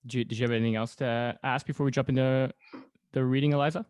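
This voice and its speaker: A man's voice: mid-range voice, steady tone, fast, darkish tone, clear, resonant tone, no room sound, clean studio sound. A man hosting a casual interview, rambling a little as he searches for words. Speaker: podcast host.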